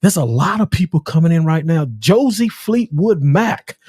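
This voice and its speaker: A man's voice: on the high side, expressive, moderate pace, a little mellow, slightly rough, dry recording, clean studio sound. A man hosting a casual live-streamed show, effusive and often repeating his own phrases. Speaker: call-in show host.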